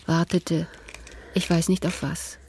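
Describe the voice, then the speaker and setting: A woman narrating in the inner voice of an anxious mother in a radio play, quiet and halting, sometimes whispering. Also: fairly low pitch, flat delivery, slight background noise. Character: anxious mother of a troubled son.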